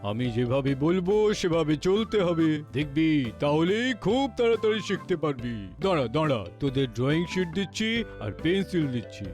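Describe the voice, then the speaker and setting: An excitable male schoolteacher in a cartoon. His voice is high and lively, jumping about as he scolds and encourages. He repeats words for emphasis, with faint music behind him. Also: moderate pace. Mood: encouraging. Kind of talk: cartoon voice acting.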